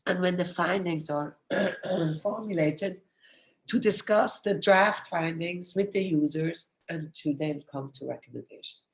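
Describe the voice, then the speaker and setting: A woman professor giving an academic research lecture over a video call in an explanatory, steady way, losing her voice and coughing now and then. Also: fairly low pitch, unhurried, vocal fry. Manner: explanatory, steady, apologetic when interrupted.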